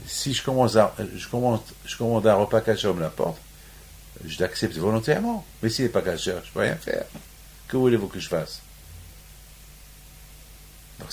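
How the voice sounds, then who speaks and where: A man's voice: lowish voice, big pitch swings, moderate pace, gravelly, long pauses, a little mellow, a little hiss or hum. A man from Morocco giving a sermon on the weekly Torah portion, restating his points over and over and rising into emphatic peaks. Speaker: rabbi.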